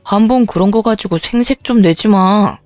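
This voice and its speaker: A woman's voice: medium pitch, normal speed, darkish tone, no room sound, soft background music, lightly acted. A woman voicing a selfish, dismissive young husband in a radio-style story reading, talking curtly and brushing things off. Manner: brushing off, curt.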